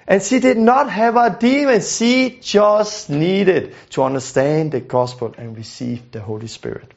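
Man, high-pitched, gravelly, earnest teacher, repeats himself, dull lo-fi recording. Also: a little slow. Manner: earnest, repeats words and restarts phrases. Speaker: teacher on deliverance ministry. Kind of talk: teaching lesson.

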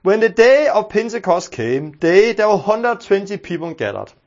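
A man's voice: high voice, very animated, moderate pace, lo-fi sound. A man with a Danish accent, teaching a sermon in an earnest, emphatic way, repeating his key phrases. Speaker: preacher.

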